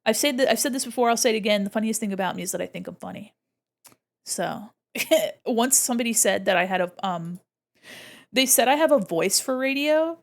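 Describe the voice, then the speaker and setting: Drawing on a live stream, this young VTuber artist banters playfully with her viewers and giggles a lot. She speaks a little fast in a higher voice with lively intonation and some vocal fry.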